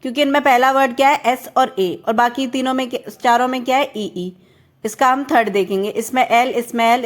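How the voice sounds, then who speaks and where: High-voiced young woman explaining step by step. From India. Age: young adult. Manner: step-by-step, asks the viewer questions. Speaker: teacher. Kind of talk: explaining a reasoning lesson.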